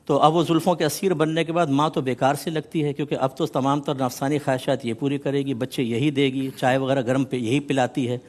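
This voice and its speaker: A man, a mufti, giving a measured religious explanation on a TV talk show, listing points in rhythmic series and mixing in English words. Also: mid-range voice, flat delivery.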